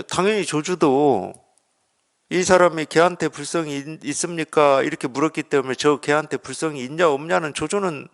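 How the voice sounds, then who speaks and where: A man's voice: mid-range voice, gravelly. A man from Korea giving a Buddhist dharma talk as a Zen teacher, conversational, asking rhetorical questions and acting out the dialogue.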